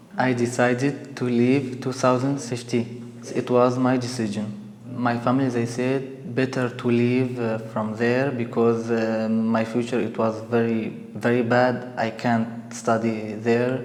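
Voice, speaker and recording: In a Kurdish accent, a man speaks at a fairly slow pace with medium pitch and monotone, flat intonation, amid audible room echo and noticeable background noise. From Syria, Kurdish region (Amuda). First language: Kurmanji Kurdish. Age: 20s. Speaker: interpreter for refugee NGO. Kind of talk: interview testimony. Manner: halting, many fillers.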